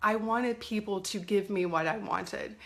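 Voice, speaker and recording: A middle-aged woman talks casually into her phone on a live stream, her voice a little hoarse after a cold. She speaks at an easy, mid-range pitch and chats warmly with the viewers she sees joining in. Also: unhurried. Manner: chatty, greets viewers by name. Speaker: lifestyle coach hosting a live stream. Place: indoors at a family home. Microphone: phone or webcam live stream.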